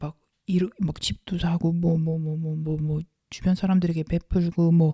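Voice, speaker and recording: A somewhat breathy voice with a dark, mellow tone and fairly even intonation comes through in a dry, close sound with no echo. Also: woman. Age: 30s. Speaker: cancer survivor. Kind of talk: casual talk to camera.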